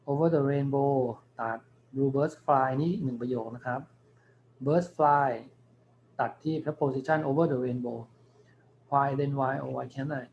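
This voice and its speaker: A male university lecturer giving a recorded class, explaining patiently and reading English words slowly for his students. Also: mid-range voice, dull audio, slight background noise. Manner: explains patiently, thinking aloud with many polite particles.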